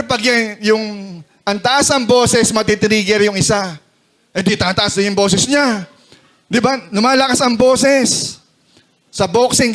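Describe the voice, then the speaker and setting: A man's voice: high-pitched, a bit bright. A man with a Filipino accent preaching a sermon. He mixes Tagalog and English and keeps checking in with the congregation. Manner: preaching in Tagalog mixed with English, asking the crowd "di ba?". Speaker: pastor.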